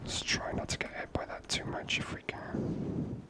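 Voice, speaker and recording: A man giving whispered ASMR gameplay commentary close to the microphone, unhurriedly thinking aloud. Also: moderate pace. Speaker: ASMR gaming host.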